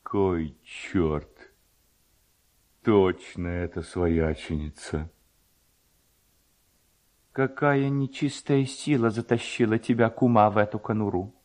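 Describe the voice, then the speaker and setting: A man's voice: on the low side, takes it slowly, pauses often, darkish tone. A man voicing a grey-haired, superstitious village headman in a literary reading, blustering and commanding. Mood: gruff astonishment.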